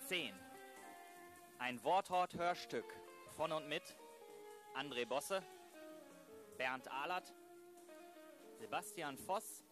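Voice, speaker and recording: A man's voice: a little high, slow, long pauses, over music. A man playing the sober narrator of a crime radio play, announcing as he narrates. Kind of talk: scripted-style announcing narration.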